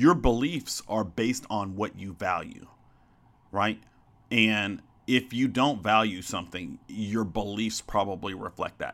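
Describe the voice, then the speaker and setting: On a very clean recording with a silent background, a man with a fairly low pitch talks at a fairly slow pace with ordinary pitch variation. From US South (Arkansas), born in Chicago. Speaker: podcast host, therapist / life coach. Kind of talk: solo monologue podcast. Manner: casual, with many fillers and hesitations.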